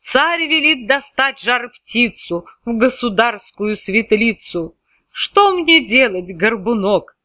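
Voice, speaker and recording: A frightened young peasant lad pleads and protests, as a woman reading verse puts him on. His voice climbs high and bright and swings widely. The sound is close and dry. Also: lively intonation, slow, no room sound, exaggerated voice. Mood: worried.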